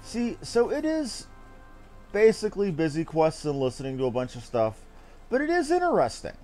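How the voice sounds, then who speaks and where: A man's voice: on the high side, huge pitch swings, normal speed, a little mellow, faint music behind. A man streaming a game with casual, wry and blunt commentary.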